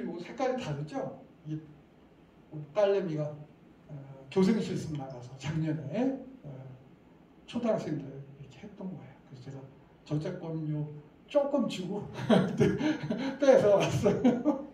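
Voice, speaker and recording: A middle-aged man leads a talk for parents, tossing quiz questions at the room and chuckling along the way. His voice is mellow and dark. It comes from a distance in an echoey hall with a faint murmur of ambience. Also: a little high, expressive, unhurried, slight background noise. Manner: chatty, quizzing the audience, chuckling. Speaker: lecturer at parent education session. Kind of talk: interactive lecture to parents.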